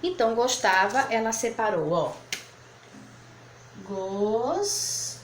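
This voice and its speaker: A woman's voice: fairly high pitch, lively intonation, normal speed. A woman teaching a lesson at a board, patiently spelling out words syllable by syllable. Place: room with whiteboard. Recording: echoey room, faint background noise.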